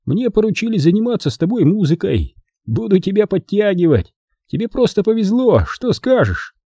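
A man's voice: sits high, very animated, moderate pace, slightly rough, no echo, pitched above the performer's own voice, heavily acted. A man doing a cheerful brash boy. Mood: cheery. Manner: bright, jaunty, brash.

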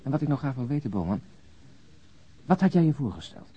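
A man's voice: mid-range voice, big pitch swings, a little fast, husky, lo-fi sound. An actor in a radio drama playing an overweight, jovial, world-weary policeman who talks bluntly and chattily with mild swearing. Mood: frank, probing. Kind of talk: naturalistic Dutch radio drama acting.

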